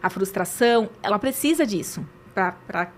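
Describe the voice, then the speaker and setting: A woman, a podcast guest and mother, talking in a lively way about parenting her child. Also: medium pitch, moderate pace. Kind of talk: casual podcast conversation.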